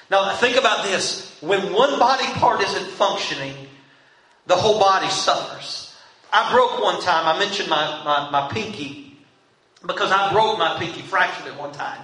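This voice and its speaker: Projecting a raised voice at a moderate pace, a high-pitched man speaks with lively intonation amid noticeable background noise and audible room echo. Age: 30s. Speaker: pastor. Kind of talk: sermon. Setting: church. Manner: halting, repeats words.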